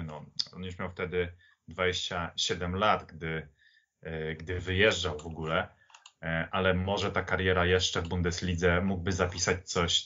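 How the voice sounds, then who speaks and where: A man giving his opinions in a football discussion, emphatic and halting, repeating phrases for weight. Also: deep voice, pushed and bright, highs cut off. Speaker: podcast guest, football pundit.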